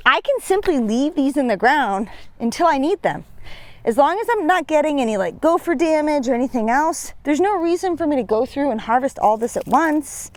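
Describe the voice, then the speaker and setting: A woman's voice: a little high, darkish tone, no room sound. A young woman giving a chatty, upbeat gardening tutorial outdoors on a farm. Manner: chatty, self-deprecating, upbeat. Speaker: seed company gardener.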